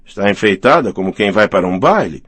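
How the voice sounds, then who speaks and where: A sly, mocking young man speaks with open sarcasm, as a male audiobook reader voices him. The voice is low with a lively pitch. The recording is close and dry. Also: quick pace, no room sound. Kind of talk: audiobook reading.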